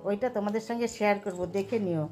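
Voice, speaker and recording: A woman's voice: mid-range voice, racing, warm tone, soft background music. A woman narrating her home vlog in a chatty way, addressing viewers as friends. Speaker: vlogger.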